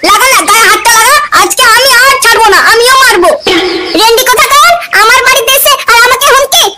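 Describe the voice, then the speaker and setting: Bengali woman, very high and brash, quarrelsome cartoon dubbing, loud hiss over the track. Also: fast. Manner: brash, scolding, cursing. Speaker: cartoon voice performer. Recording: loud constant background noise.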